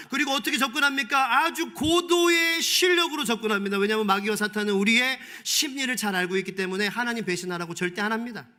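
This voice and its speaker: A man's voice: high-pitched, bright, forceful tone. A male pastor preaching a sermon, emphatic, asking the congregation rhetorical questions and moving between formal and casual speech.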